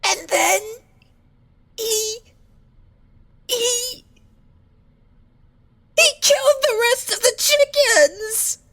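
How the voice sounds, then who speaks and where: Woman as traumatized girl pony, high-pitched, timid, hesitant, tearful, dry close recording, fan audio drama. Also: lively intonation, a bit bright, dry recording, heavily acted. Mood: sobbing, anguished. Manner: halting, hesitant, tearful delivery. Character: timid, traumatized female cartoon pony, gentle and fearful.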